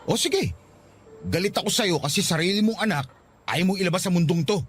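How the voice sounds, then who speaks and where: Nasaktang nobyo, mataas at mabilis magsalita. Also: male voice, sits high, expressive, fairly quick, slight background noise. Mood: bitter. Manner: wounded, reproachful. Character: hurt, bitter young boyfriend being dumped. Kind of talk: radio romance drama acting.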